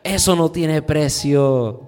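A middle-aged man preaching, telling a homey family story and stretching key words slowly for emphasis. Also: fairly high pitch, a little mellow, long reverb tail, faint music behind. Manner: folksy, slow emphatic delivery. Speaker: pastor. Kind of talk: bilingual storytelling sermon. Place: church.

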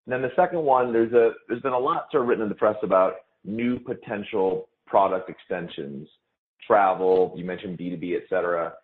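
Man, financial analyst, low voice, questioning delivery, narrow phone-line sound. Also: a little fast. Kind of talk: earnings call questioning.

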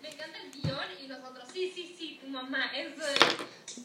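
Young Yucatecan woman in an echoey room. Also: sits high. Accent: Yucatecan Spanish. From Yucatán, Mexico. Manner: chatty, teasing, quick to laugh. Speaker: podcast guest. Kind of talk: casual chat. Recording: echoey room, distant mic, faint noise.

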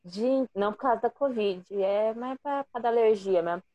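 A Brazilian woman joins a podcast as guest. Her voice is high and bright, and she chats candidly, teasing her hosts and complaining vividly. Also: moderate pace, muffled recording. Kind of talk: casual chat.

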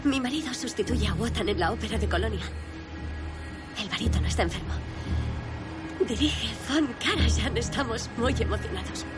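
An actress playing an anxious, polite young wife on the run in a film drama. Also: female voice, fairly high pitch, animated, normal speed, pauses often, loud music behind the voice, close to an everyday voice. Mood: nervous, polite.

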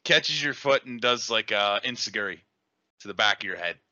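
A man's voice: lowish voice, animated, normal speed, pushed and bright, no room sound. A man narrating as game master of a wrestling role-play game on a podcast, laughing often. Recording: dry, dull lo-fi podcast audio.

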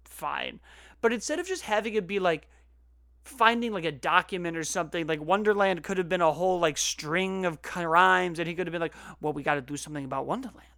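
A woman's voice: lowish voice, brisk, vocal fry, fairly bright tone, no room sound. A woman co-hosting a casual movie review podcast, dry and wry, often saying "like". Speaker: podcast co-host.

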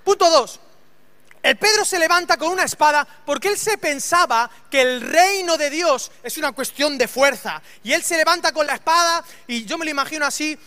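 A man delivers a lively storytelling sermon. His voice sits very high and sounds bright and forceful. He jokes and acts out the scenes as he goes. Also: normal speed. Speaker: preacher.

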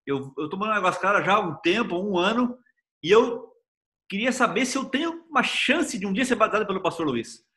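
A Brazilian pastor with a Bahian accent, giving an earnest devotional sermon told through a personal story. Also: male voice, sits high, expressive, brisk, sharp tone. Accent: Bahian Portuguese.

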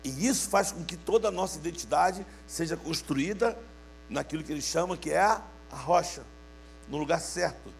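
Gravelly man preaching playfully from Rio. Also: a little high, normal speed, faint music behind. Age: 50s. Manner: playful, calls out to listeners for responses. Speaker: youth preacher. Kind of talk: sermon.

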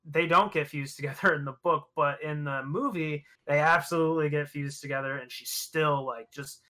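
A man's voice: on the high side, steady tone, moderate pace, sharp tone. A man chatting casually and informally as a co-host discussing a film, swearing freely. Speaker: podcast co-host reviewing a horror film. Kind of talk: casual chat.

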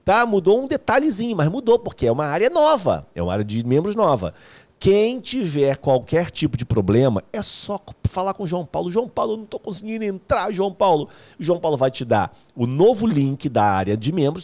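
A man hosts a live stream, his fairly high voice swinging up and down a great deal. He talks fast and loose, tossing out slang and jokes and calling viewers "brother" as he reads their comments. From Rio de Janeiro, Brazil. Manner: energetic, slangy, joking, calls viewers "meu brother". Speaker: host of a live music course stream.

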